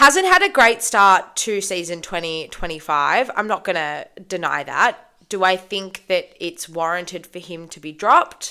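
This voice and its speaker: A woman speaks with an Australian accent in a bright, sharp tone. Her loudness swings widely while her pitch varies in an ordinary way. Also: medium pitch for a woman, moderate pace. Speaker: football fan vlogger. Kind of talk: casual vlog commentary.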